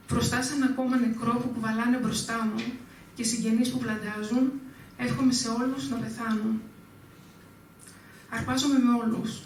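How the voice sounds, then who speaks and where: A woman giving a live poetry reading in a measured, even delivery at a literary event. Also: on the high side, slight background noise. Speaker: poet reading own work. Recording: very echoey room, speaker far from mic.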